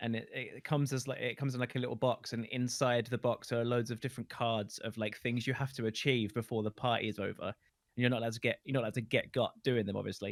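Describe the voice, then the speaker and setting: A man of medium pitch with a British accent, very fast and with hardly any pauses, in a monotone, flat intonation, dry, close sound with no echo, on a very clean recording with a silent background. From UK. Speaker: podcast co-host and streamer. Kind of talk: casual chat.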